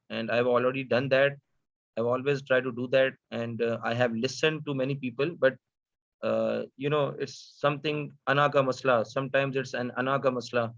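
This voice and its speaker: A man with a South Asian accent giving an informal data science lecture, speaking haltingly with frequent hesitations and rhetorical questions. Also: mid-range voice, no echo. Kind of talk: informal lecture, code-switching. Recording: dull, dry lo-fi audio.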